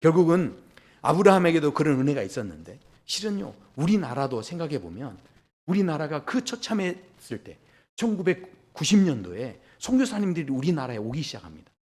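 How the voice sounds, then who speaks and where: A male pastor preaching a sermon, asking the congregation questions and swinging between loud emphasis and hushed low lines. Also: brisk, breathy edge. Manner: lively, asks the congregation questions.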